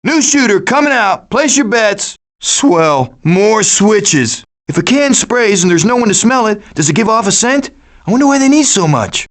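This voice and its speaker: A man voicing a glib, sarcastic, scheming raccoon who leads a gang of food thieves in an animated video game. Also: high-pitched, moderate pace. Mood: wry, glib. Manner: glib, sarcastic, cocky quipping.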